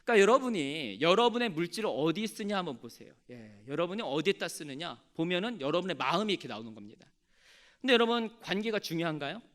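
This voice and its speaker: Male pastor, high and lively voice, animated sermon storyteller. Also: quick pace. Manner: animated storytelling, calls on the congregation to respond.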